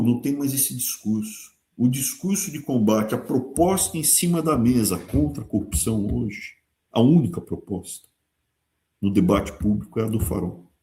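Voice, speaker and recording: Brazilian male host, sarcastic political commentary, warm tone, roomy echo. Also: medium pitch. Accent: Brazilian Portuguese. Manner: sarcastic, lively, talks with colloquial asides. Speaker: channel host. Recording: echoey room.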